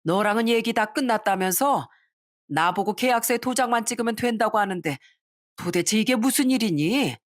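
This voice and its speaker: A woman's voice: fairly high pitch, expressive, moderate pace, dry recording, clean studio sound. A woman voicing a worried older mother who runs a small restaurant, speaking in a bewildered way in a storybook drama.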